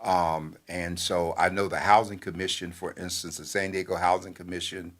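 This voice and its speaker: An older man with a fairly low voice, talking as a newspaper editor on a talk program. He speaks in a measured, halting way and fills his pauses with many uhs and ums. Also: little pitch movement, a bit bright. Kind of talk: radio talk commentary.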